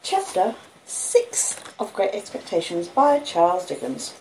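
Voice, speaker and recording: Gravelly and a little mellow, this fifty-something Australian woman's low voice swings hugely in pitch as she reads a classic novel at a measured pace. She chats homely asides and speaks to her dogs indoors. The rough recording has a little hiss or hum.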